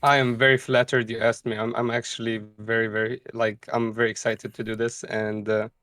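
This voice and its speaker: A man's voice: medium pitch, level tone, brisk, a bit bright, faint music behind. A man from the United Arab Emirates chatting casually as a guest commentator, earnest and informal, explaining things at length. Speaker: guest commentator and content creator. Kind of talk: casual chat.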